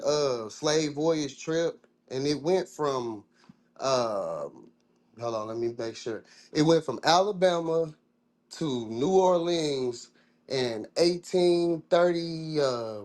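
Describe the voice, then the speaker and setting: A man's voice: on the high side, a little mellow. A man from the American South with a Southern accent, talking in a casual discussion, rambling and restarting his sentences in informal speech.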